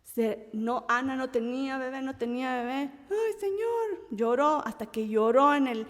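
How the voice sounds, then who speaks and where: A woman leads a Bible study in an animated, expressive way, acting out the voices of the people she quotes. Her voice sits a little high. A long reverb trails behind each phrase. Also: normal speed. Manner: animated, acts out quoted voices, laughs often.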